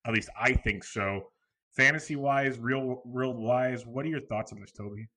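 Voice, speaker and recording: A man's voice: mid-range voice, moderate pace, a little hiss or hum. Laid-back guy co-hosting a podcast, easy banter, laughs a lot. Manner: laughs easily, relaxed banter. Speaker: podcast co-host. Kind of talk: casual podcast chat.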